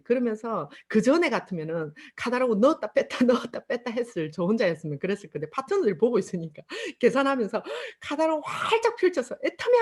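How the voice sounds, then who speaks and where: A middle-aged woman with a Busan Gyeongsang accent, giving an animated testimonial speech to an audience and acting out the voices in her stories. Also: medium pitch. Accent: Busan Gyeongsang dialect. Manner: animated storytelling with acted-out quotes. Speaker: motivational speaker at a sales seminar.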